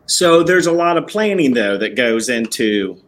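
A man's voice: medium pitch, expressive, unhurried, a bit bright. A man hosting a podcast from a church building, introducing and interviewing a guest with enthusiasm and some restarts. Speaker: podcast host.

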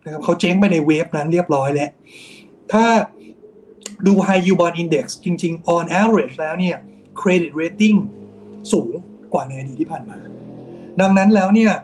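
Speaking unhurriedly in a fairly high, darkish voice, a male investment strategist walks through bond markets in explanatory commentary, sprinkling in English finance terms and frequent polite particles. There is slight background noise.

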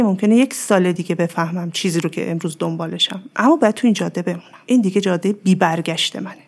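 A woman speaking as a podcast guest, calmly explaining her ideas with everyday examples in a reflective, advising tone. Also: mid-range voice, creaky. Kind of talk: reflective advice in conversation.

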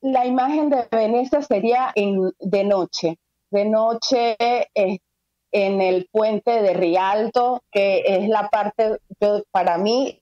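A woman's voice: mid-range voice, dark tone, dry recording. Venezuelan lady chatting on the radio, lots of ums and restarts, kinda muffled dry sound. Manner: hesitant, many fillers and restarts. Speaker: guest. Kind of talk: casual radio interview.

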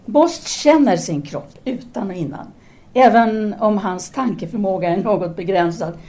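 An actress playing a cool, frank French intellectual woman in an audio drama, with measured, formal and composed delivery. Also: medium pitch, mellow, close to an everyday voice.

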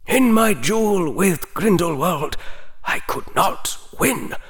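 A man voicing an ancient, grieving male wizard in a storybook reading, speaking in a hushed, breaking voice, slow and halting. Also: sits high, animated, breathy edge, no room sound, studio quality, pitched above the performer's own voice, heavily acted. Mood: sorrowful.

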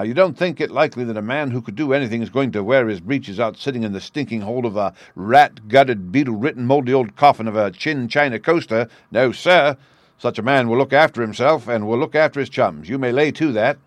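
A man voicing a tall, swaggering young male convict who boasts loudly and laughs at his own schemes. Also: mid-range voice, fairly quick, no room sound, close to an everyday voice. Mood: boastful.

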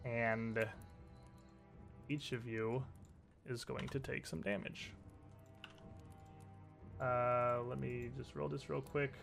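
A man narrating a tabletop role-playing game as game master, telling it deliberately and with suspenseful pauses. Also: mid-range voice, level tone, creaky, a bit bright, soft background music.

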